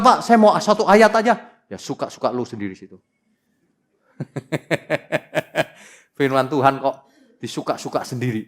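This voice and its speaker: Animated preaching man, lively pitch. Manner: animated, teasing, mocking asides to the congregation; reads scripture aloud slowly and dramatically. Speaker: pastor. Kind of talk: sermon.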